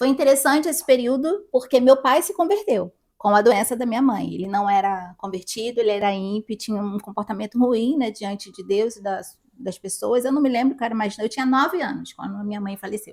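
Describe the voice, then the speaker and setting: With a strong Rio de Janeiro accent, a woman talks at a fairly quick pace and a fairly high pitch with ordinary pitch variation, hardly any pauses and big swings in loudness. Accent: strong carioca. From Rio de Janeiro, Brazil. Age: 40s. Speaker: homeschooling mother. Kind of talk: testimony in casual interview.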